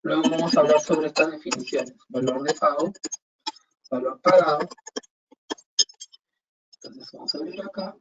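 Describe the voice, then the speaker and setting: A man's voice: a little high, moderate pace, long pauses. A man teaching an online accounting class, explaining step by step and asking rhetorical questions. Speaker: accounting instructor. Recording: dull distant mic with faint hiss.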